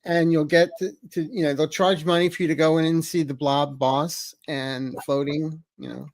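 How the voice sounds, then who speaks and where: A man's voice: on the high side, little pitch movement, moderate pace, no room sound. A man chatting casually in a group conversation and dropping wry, joking asides. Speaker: guest in group chat. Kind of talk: casual chat.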